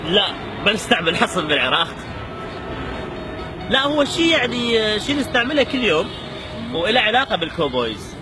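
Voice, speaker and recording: A man's voice: high voice, big pitch swings, fairly quick, rough recording. A man with an Iraqi Arabic accent in casual, playful conversation, teasing as he hosts a word quiz. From Iraq. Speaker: host quizzing a guest on Iraqi slang. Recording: music in the background. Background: music.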